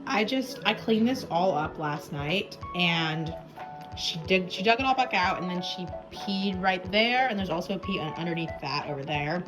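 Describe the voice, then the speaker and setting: Young female pet vlogger, sing-song baby talk to her animals, loud music bed underneath. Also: on the low side, lively intonation, moderate pace. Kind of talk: casual vlog, cooing to pets.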